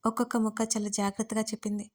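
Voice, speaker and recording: A woman narrating a family drama audiobook as scripted storytelling, reading in a gentle, even manner. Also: a little high, rapid-fire.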